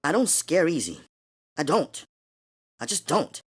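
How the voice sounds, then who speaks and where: Brash streetwise New gal, high and lively, breathy tone, read by a male narrator. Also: exaggerated voice. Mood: frantic. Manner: brash, rapid-fire, indignant. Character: tough streetwise young New York woman. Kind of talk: audiobook character voice.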